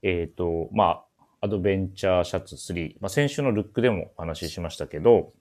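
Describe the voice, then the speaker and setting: A man with a very deep voice hosts a menswear shop's radio show. He introduces clothes in a casual but polite way. He often hesitates and thinks aloud as he goes. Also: brisk, darkish tone.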